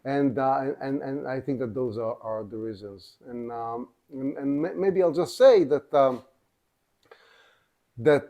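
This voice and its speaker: A man representing a civil society organization, speaking on a panel in a measured way with frequent restarts. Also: mid-range voice, dark tone. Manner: measured, restarts sentences, many fillers. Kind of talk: panel discussion.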